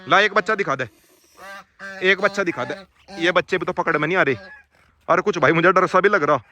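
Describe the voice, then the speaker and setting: A man, talking casually to his viewers while he walks his dog farm and shouts to his dogs. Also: sits high, a little fast. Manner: calls out loudly to his dogs. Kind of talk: casual vlog commentary.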